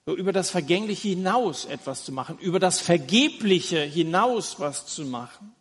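A man's voice: sits high, animated, normal speed, breathy edge, in a large hall. A man preaching an evangelistic sermon, earnest and inviting, talking straight to his listeners.

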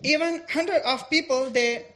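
A young woman from Pakistan speaks with a Pakistani accent, her voice sitting a little above the usual pitch. She gives her testimony in halting, simple English. She stops often for fillers and searches for words. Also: fairly bright tone. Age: 20s. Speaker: guest speaker giving testimony.

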